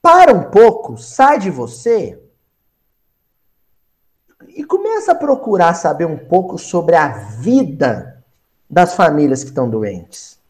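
A man with a Brazilian accent teaching a Spiritist gospel study, animated, acting out small scenes and repeating phrases for emphasis. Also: on the high side, slow, pauses often. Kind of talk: spoken gospel study lesson.

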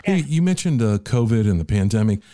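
Tiefer, weicher Moderator. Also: male voice, on the low side, very animated, a little fast, warm tone, dry recording. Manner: easygoing, with many "uh" fillers. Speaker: radio show host. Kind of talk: interview hosting.

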